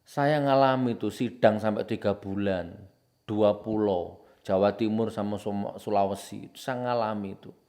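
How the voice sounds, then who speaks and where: A man preaching with confrontation, hammering out repeated accusations and swinging from low and solemn to loud and heated. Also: steady tone, measured pace. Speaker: Islamic preacher. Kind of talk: impassioned preaching commentary.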